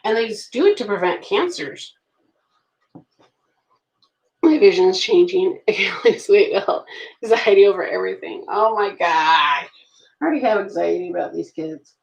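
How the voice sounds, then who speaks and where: Here the planner vlogger, a woman in her late thirties, has a creaky, medium-pitched voice and talks fairly quickly and animatedly. She journals at home during a loose live chat, reacting to viewers' comments, in an echoey room with the highs cut off.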